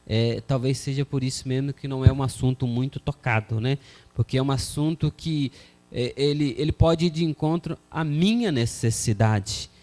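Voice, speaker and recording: A man's voice: medium pitch, moderate pace, a little mellow. A man hosting a Christian television program, talking earnestly about forgiveness and reading scripture in a preacherly way. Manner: earnest, preacherly, many filler "né?". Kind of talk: religious talk show, reading viewer messages and scripture.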